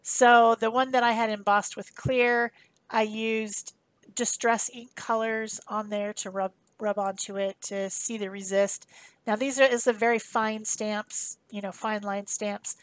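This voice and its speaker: A woman's voice: on the high side, fairly even intonation, a little slow, dry recording. A woman giving a casual, chatty voice-over for a craft demonstration, explaining informally as she goes. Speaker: craft tutorial host.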